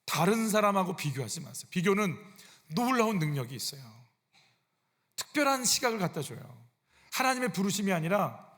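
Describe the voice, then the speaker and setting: A man's voice: sits high, very animated, brisk, fairly bright tone. A man, a senior pastor, preaching a sermon in a conversational style, asking his congregation frequent rhetorical questions. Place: church sanctuary. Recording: long church hall reverb.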